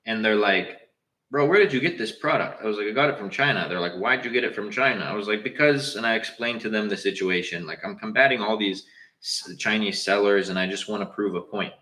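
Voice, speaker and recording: A man's voice: fairly low pitch, brisk, pushed and bright, roomy sound, rough recording. A young man from Southern California with a Southern Californian accent, hosting a casual livestream and talking loosely and straight to his viewers. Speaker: livestream host.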